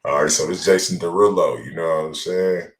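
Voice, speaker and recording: A man's voice: sits low, fairly even intonation, brisk. An American man hosting a talk show with casual, hyped banter in slangy, repetitive street talk. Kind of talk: casual hype banter about celebrity clips. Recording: roomy echo.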